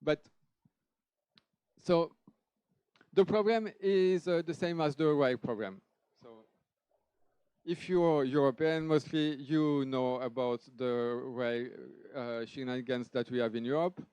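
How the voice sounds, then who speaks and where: Male speaker with a French accent presenting at a conference: lively, chatty, clean resonant voice, close and dry. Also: medium pitch, slow, long pauses, smooth, no room sound. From France. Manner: lively, with restarts and asides. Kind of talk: technical conference talk. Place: conference hall stage.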